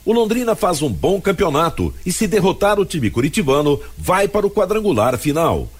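A Brazilian man narrates scripted sports history for radio. His voice is husky and somewhat high, with animated ups and downs. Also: a little fast.

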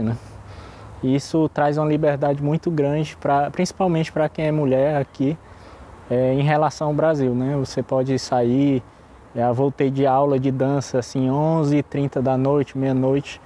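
A man's voice: mid-range voice, mellow. A man with a Cearense Brazilian accent talking casually and hesitantly, with many fillers and restarts, recorded outdoors on a street. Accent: Cearense Brazilian Portuguese. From Ceará, Brazil. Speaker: podcast contributor. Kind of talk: casual spoken monologue. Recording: outdoor street noise behind.

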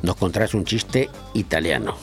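A man's voice: low-pitched, big pitch swings, moderate pace, music in the background. A Spanish man hosting a radio show in a studio, joking and teasing his guest. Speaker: radio host. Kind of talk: radio chat interview.

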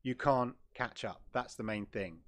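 A middle-aged man hosts a casual gaming livestream for his channel, speaking at a measured pace in a medium-pitched voice. He chats loosely and rambles, frequently correcting himself.

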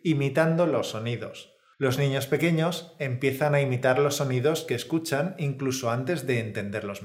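A man, explaining a language lesson in a calm, scripted podcast style. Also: mid-range voice. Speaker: Spanish teacher. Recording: roomy echo.

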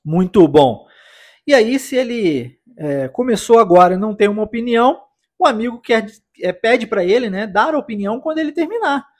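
A man teaching English pronunciation in a podcast lesson, drilling phrases slowly for the listener to repeat. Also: high voice, animated. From United States.

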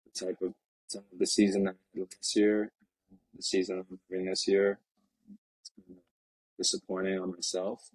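A young man in his twenties speaks in a deep, very flat and husky voice, picking his words slowly with frequent restarts. The sound is dry and close, with no room around it. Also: dry recording, low-quality recording. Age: 20s. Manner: reflective, halting, many restarts. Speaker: professional soccer player, guest. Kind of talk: casual interview talk. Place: Lisbon.

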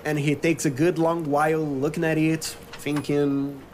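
A man improvising his character's story as a player in a tabletop role-playing game, halting as he searches for words. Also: on the high side, little pitch movement, a little mellow. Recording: clear background noise.

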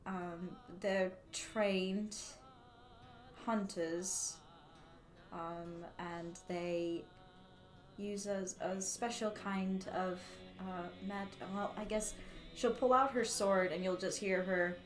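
A woman's voice: mid-range voice, fairly even intonation, very slow, soft background music. A woman player chatting casually during a tabletop game, hesitant with many ums and frequent laughs.

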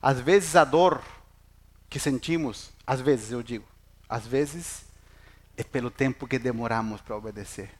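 A man's voice: medium pitch, measured pace. A middle-aged man preaching in Portuguese, a pastor who jokes with the congregation and asks them questions. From Chile. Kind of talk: sermon.

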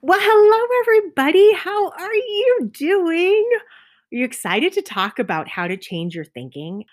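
A middle-aged woman hosting a motivational podcast, enthusiastic, sometimes dropping to a soft whisper for emphasis. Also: extremely high pitch, big pitch swings, a little slow. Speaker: podcast host.

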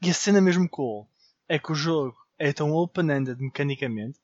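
A man with a European Portuguese accent, co-hosting a casual gaming podcast over a degraded, half-robotic remote call, relaxed and mixing in English slang. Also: a little high, fairly quick, dry recording. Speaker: podcast co-host. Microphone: remote call from outside the studio. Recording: dull lo-fi remote line.

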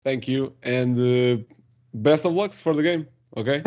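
A man from Portugal hosting a podcast interview, speaking relaxed, non-native English. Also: mid-range voice, a little slow. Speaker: podcast host. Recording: slightly dull, lo-fi sound.

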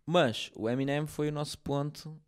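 A man's voice: fairly high pitch, steady tone, normal speed. A man from Portugal with a European Portuguese accent, chatting casually and in slang as a rapper being interviewed. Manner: slangy, informal. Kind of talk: casual chat.

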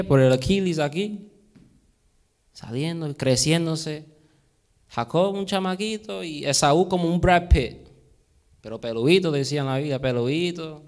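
A man preaching a sermon, lively, quizzing his congregation and dropping in English phrases. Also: fairly high pitch. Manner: lively, asks the congregation questions.

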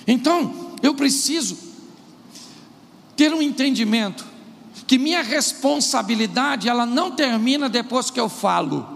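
A man preaching a sermon as pastor, animated, acting out scenes between couples. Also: extremely high pitch, measured pace, gravelly. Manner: animated preaching, acts out quarrels in put-on voices. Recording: echoey hall with faint noise.

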